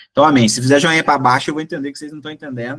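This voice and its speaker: Talking very fast, a man with a fairly high pitch comes through in a dry, close sound with no echo. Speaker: Bible class teacher. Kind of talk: Bible lecture. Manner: animated.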